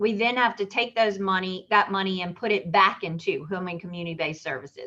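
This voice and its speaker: Speaking at a fairly quick pace, a woman has medium pitch, a bright, sharp tone and fairly even intonation. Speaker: state agency official giving a report. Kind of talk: committee meeting report. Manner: fast.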